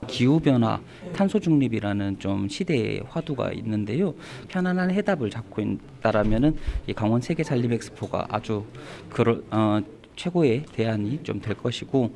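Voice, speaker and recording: Gravelly-voiced man, hesitant. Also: mid-range voice, expressive, moderate pace, hardly any pauses, darkish tone. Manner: hesitant, with fillers. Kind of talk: interview soundbite.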